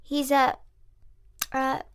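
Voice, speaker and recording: Earnest, polite young girl, voiced by a woman storyteller, pitched up, unhurried. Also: completely flat delivery, clear, resonant tone.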